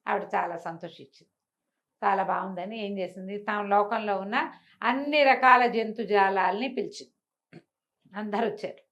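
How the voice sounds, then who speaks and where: A woman telling a bedtime folk tale in a conversational, animated way, often repeating phrases and acting out dialogue. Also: medium pitch, moderate pace, pauses often, highs cut off. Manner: conversational, with repetition and acted dialogue. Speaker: storyteller.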